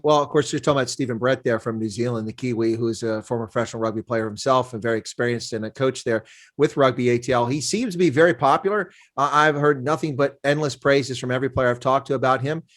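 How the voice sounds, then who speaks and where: Fast-talking male sports interviewer. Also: medium pitch, fairly even intonation, fairly bright tone. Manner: chatty, rambling questions. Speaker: interview host.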